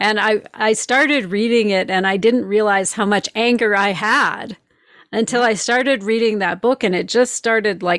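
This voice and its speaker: A woman with a normal speaking voice and fairly high pitch talks at a fairly slow pace. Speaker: podcast host. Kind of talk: interview, casual conversation. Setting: radio show broadcast.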